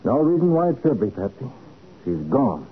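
An actor playing a brisk, persistent male private detective in 1940s radio style, with a questioning manner. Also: medium pitch, big pitch swings, lightly acted. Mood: brisk, determined. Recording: narrow, noisy old 1940s radio recording.

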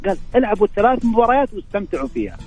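A man calling in to a radio show, hoarse and emphatic, his voice nearly gone. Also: high-pitched, very fast, music in the background. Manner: excited, emphatic, swears oaths. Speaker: caller.

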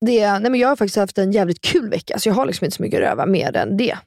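A woman's voice: mid-range voice, big pitch swings, a little mellow, no echo, clean studio sound. A young woman co-hosting a podcast in casual chat, supportive and talkative. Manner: supportive listener, many "mm", chatty. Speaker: podcast co-host.

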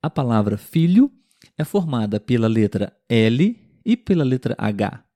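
A man with a Brazilian Portuguese accent hosting a podcast pronunciation lesson, patiently repeating example words slowly and clearly for learners. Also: mid-range voice, big pitch swings, warm tone, dry recording. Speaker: language teacher and podcast host.

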